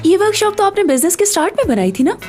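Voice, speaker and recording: A curious young journalist in a dubbed TV drama. She talks fast, high and lively, with polite questions. Soft music plays underneath. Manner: polite, inquisitive. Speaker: interviewer.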